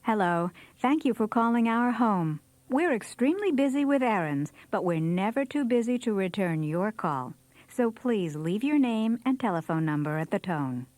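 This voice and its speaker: Lady doing answering machine messages, scripted, really lively pitch, no room echo. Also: moderate pace. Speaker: voice talent for answering machine greetings.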